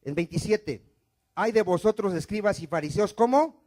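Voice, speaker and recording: A man with a high voice preaches a sermon in church, questioning his listeners and answering himself. His delivery swings between loud, emphatic lines and quiet, falling endings. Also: normal speed. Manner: call-and-response preaching, asks questions and answers them himself. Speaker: pastor.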